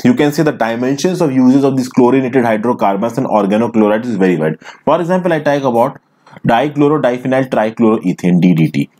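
A man's voice: mid-range voice, warm tone. A man with an Indian English accent teaching a recorded lesson, explaining step by step and often calling his listeners friends. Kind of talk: recorded screen lecture.

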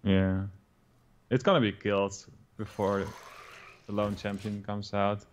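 A young Dutch man with a Dutch accent, talking through a card game as a guest co-player, thinking aloud with quick restarts. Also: lowish voice, monotone, a little hiss or hum. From Netherlands. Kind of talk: casual game commentary.

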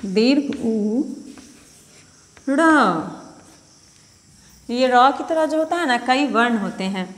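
A woman with an Indian accent teaches the alphabet to nursery children, naming each letter with slow, patient care. Her voice sits slightly high. The sound carries a long hall echo. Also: expressive.

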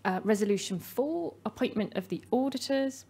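A woman at a podium reading out election results in a measured, formal way. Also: a little high, expressive, mellow, breathy edge. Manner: measured, reading names slowly. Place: meeting hall. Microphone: podium microphone.

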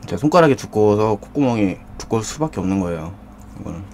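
This fairly low-pitched man talks quickly with lively intonation and a darkish tone, with slight background noise behind him. He's eating on a live mukbang stream through a desk condenser mic, joking and greeting chat viewers by name.

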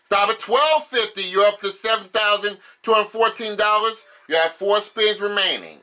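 A man hosting a game show, calling out prizes and totals like a booming prize announcer. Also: normal speed, bright, forceful tone. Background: game show music.

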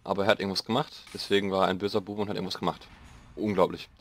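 A young man with a slightly hoarse voice, rambling casually through gameplay commentary and mocking himself as he goes. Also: sits low, flat delivery, racing. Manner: rambling, self-mocking, thinking aloud. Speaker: let's play host.

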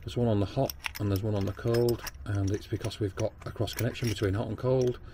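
A man's voice: lowish voice, steady tone, fast, background noise. A man with a Northern English accent giving a practical plumbing training demonstration at a workshop bench, explaining step by step with frequent ums and restarts. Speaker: plumber and backflow tester.

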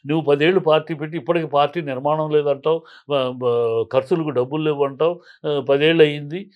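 A man argues in a heated political interview, his voice sitting a little high. He hammers home rhetorical questions, repeating them with force. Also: steady tone, fairly quick, highs cut off. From Andhra Pradesh. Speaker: political guest.

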